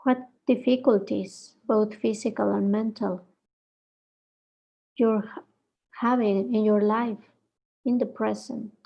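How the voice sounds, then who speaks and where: A woman leading a guided meditation, speaking gently in short phrases with reflective pauses between them. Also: medium pitch, fairly even intonation, vocal fry, highs cut off.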